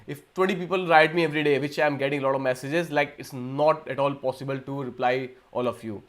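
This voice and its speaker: A man's voice: medium pitch, steady tone, fast. A man from India hosting a live Q&A stream, talking casually and rambling with frequent restarts and repeated words. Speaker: livestream host.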